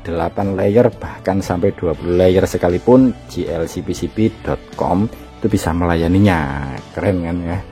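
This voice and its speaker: A man's voice: low-pitched, normal speed, music in the background. A man with a Javanese-region Indonesian accent giving an informal DIY explainer in a chatty, colloquial way, as if talking to a buddy. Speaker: DIY electronics video host.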